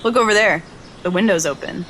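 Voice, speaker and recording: A woman's voice: mid-range voice, fairly quick, fairly bright tone, slight background noise, close to an everyday voice. An actress playing an earnest, polite, curious young woman in an audio drama, speaking in a tentative, conversational way. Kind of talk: naturalistic audio drama dialogue. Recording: roomy echo under music.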